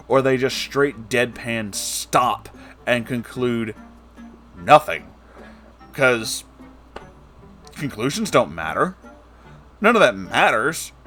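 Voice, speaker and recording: A man's voice: medium pitch, bright, forceful tone. Guy hosting a book rant, sarcastic n sweary, leans hard on words, bit of music behind. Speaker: host of a book reading series. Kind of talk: casual ranting commentary on a book.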